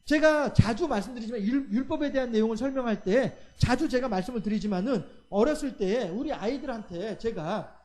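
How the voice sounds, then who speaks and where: High-pitched middle-aged guy preaching, keeps asking the church questions. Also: animated, brisk, hardly any pauses, darkish tone, slight background noise. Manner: acts out quoted voices of God and children; asks the congregation rhetorical questions. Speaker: pastor. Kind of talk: sermon.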